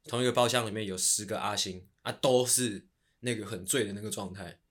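A man co-hosting a podcast in casual chat, excitable and given to sudden loud bursts. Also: on the low side, fairly quick. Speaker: podcast co-host.

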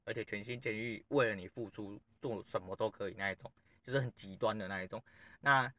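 A man's voice: mid-range voice, sharp tone, no room sound. A man hosting a podcast, telling a personal story in a blunt, rambling way and swearing freely. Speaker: podcast host. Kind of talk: casual storytelling monologue.

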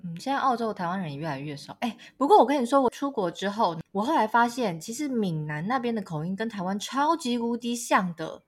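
A woman from Taiwan living abroad, co-hosting a podcast and telling stories in lively casual chat, laughing often. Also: a little high, a little fast, few pauses. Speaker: podcast co-host. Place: lives in Australia.

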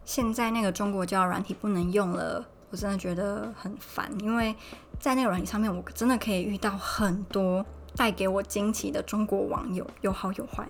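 A woman's voice: mid-range voice, a little fast, faint music behind. A young woman from Taiwan hosting a casual solo podcast, chatty and retelling conversations. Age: young adult. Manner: chatty, recounts dialogue with animated quoted voices. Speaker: podcast host. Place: Poland.

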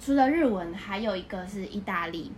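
A woman's voice: medium pitch, expressive, fairly quick, noisy background. A young woman with a Taiwanese Mandarin accent, an interview guest explaining things in an agreeable, casual way. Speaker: interview guest, English teacher.

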